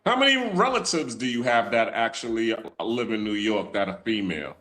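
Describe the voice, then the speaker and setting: A man's voice: lowish voice, expressive, a little fast, a bit bright, faint music behind. A man asking another panelist probing personal questions on a livestream. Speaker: panel interviewer.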